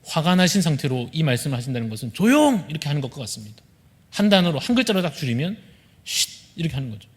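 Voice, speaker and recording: Korean pastor with a Gyeongsang accent preaching. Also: male voice, fairly high pitch, expressive, racing. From Busan, South Korea. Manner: expository preaching, asks the congregation questions and answers them. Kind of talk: sermon. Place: church sanctuary.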